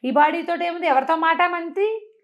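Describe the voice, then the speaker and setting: A woman telling a children's moral tale in an animated, conversational way, slipping into the characters' dialogue as she narrates. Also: very high voice, normal speed, muffled recording. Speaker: storyteller.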